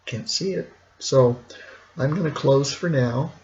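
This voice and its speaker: Middle aged guy rambling on his vlog, gravelly hoarse voice, really slow, muffled lo-fi sound. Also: mid-range voice, darkish tone, a little hiss or hum. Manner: rambling, reflective, slow with pauses. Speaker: vlogger. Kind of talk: casual personal vlog.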